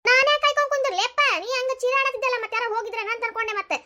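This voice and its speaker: A woman voicing a sharp-tongued older village mother-in-law in a cartoon comedy, shrill and sarcastic, with a North Karnataka Kannada accent. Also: very fast. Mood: alarmed. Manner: shrill, sarcastic, defiant scolding.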